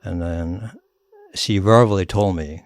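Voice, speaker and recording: A middle-aged Japanese man with a Japanese accent, a guest author chatting in an interview, animated and laughing often as he demonstrates voices. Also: low voice, takes it slowly. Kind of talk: casual interview talk.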